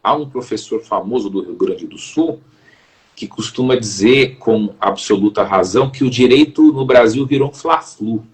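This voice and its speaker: A middle-aged man with a Brazilian Portuguese accent, a judge speaking as an interview guest in a measured, formal and deliberate manner. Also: on the low side. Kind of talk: reflective interview talk.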